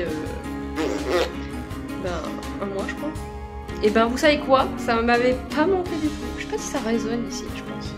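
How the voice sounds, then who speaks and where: A woman vlogger chatting casually to her followers, with a rambling, self-interrupting way of talking. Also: on the high side. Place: at home, kitchen.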